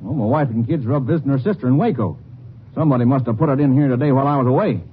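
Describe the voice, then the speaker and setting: An actor playing a blustery, defensive small-town Texan family man in a 1950s western radio drama, excitable and protesting. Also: mid-range voice, rapid-fire, close to an everyday voice. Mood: pleading, defensive. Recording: tinny, noisy vintage radio broadcast.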